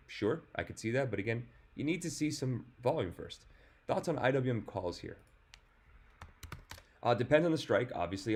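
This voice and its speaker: A man hosting a casual market commentary stream, answering viewer questions in a relaxed, offhand way, his voice a bit hoarse from a sore throat. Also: on the low side. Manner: relaxed, chatty and offhand, with fillers. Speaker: stock market show host. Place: hotel or temporary spot, away from home.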